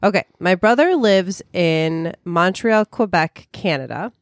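A woman's voice: on the low side, animated, a little slow, dry recording, clean studio sound. A woman co-hosting a podcast, chatting casually and reading a listener's story aloud with frequent restarts. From Chicago. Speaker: podcast co-host.

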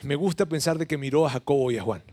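A man's voice: on the high side, quick pace, mellow. A man preaching a sermon, retelling a story with animation and speaking straight to his listeners.

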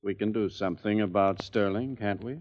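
Actor voicing an edgy, sarcastic young candidate; lowish voice, old radio play. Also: male voice, steady tone, a little fast, a little mellow, slight background noise, natural voice. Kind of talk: 1940s radio drama acting. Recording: dull old radio recording.

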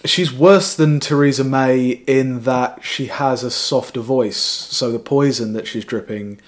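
A young man hosts a casual podcast chat, rambling and hesitant, laughing easily as he goes. His voice sits at an ordinary middle pitch. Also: unhurried. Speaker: podcast host.

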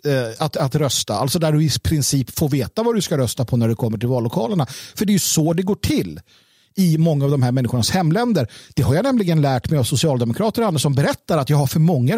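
A male host leads a casual discussion, his voice on the high side with a darkish, husky, breathy quality. He tells an anecdote haltingly, restarting and repeating words, and the sound is dry and close with no echo.

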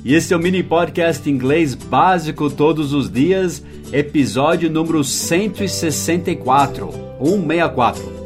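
A man's voice: a little high, measured pace, over music. A man hosting a casual English lesson podcast, explaining patiently and spelling words out letter by letter. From United States and Brazil. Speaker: English teacher and podcast host.

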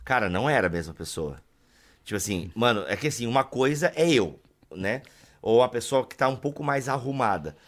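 Quick slangy brazilian guy cohosting a podcast, rambling chat, keeps saying mano. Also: medium pitch, expressive. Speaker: podcast co-host.

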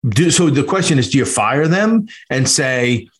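A man hosting a business podcast, chatting with a guest in a lively storytelling way, with frequent "you know" fillers. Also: mid-range voice, normal speed. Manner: animated, storytelling with acted quotes. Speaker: podcast host. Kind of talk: conversational interview.

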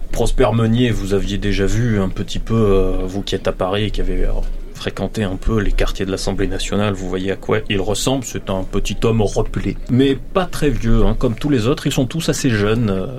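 A man's voice: lowish voice, darkish tone, slight background noise. A man narrating a tabletop role-playing game as game master, descriptive and full of hesitations.

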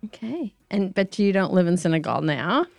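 A woman's voice: fairly low pitch, big pitch swings, moderate pace, gravelly, a little mellow, no echo. A woman hosting a podcast, interviewing guests in a conversational style. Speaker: podcast host.

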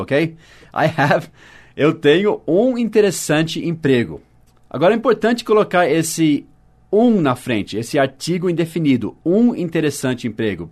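A Portuguese-speaking man hosting a short podcast lesson, explaining slowly and spelling words out letter by letter. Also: medium pitch. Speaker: English teacher.

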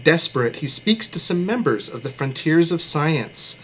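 A man's voice: a little high, animated, normal speed, fairly bright tone, a little hiss or hum. A man co-hosting a book podcast, reading a plot summary with dry, joking delivery. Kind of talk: casual book podcast chat and read summary.

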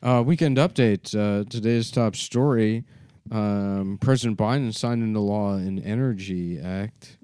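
A man co-hosting a podcast, rambling through crude jokes and deadpan mock news bits. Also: fairly low pitch, measured pace, smooth, no room sound, studio quality. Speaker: podcast co-host. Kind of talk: crude comedy banter.

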